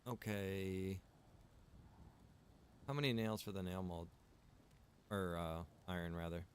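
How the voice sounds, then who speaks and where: A man with a fairly low voice talks informally while playing a game on stream. He half talks to himself and grumbles mildly. Faint noise sits behind his voice. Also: steady tone, takes it slowly. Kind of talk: casual chat while gaming.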